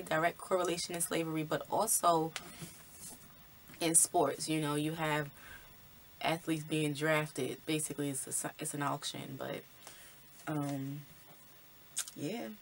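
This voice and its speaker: A woman's voice: sits low, level tone, measured pace, pauses often, a little hiss or hum. A woman vlogger casually explaining the messages of a film, in a conversational way with many fillers.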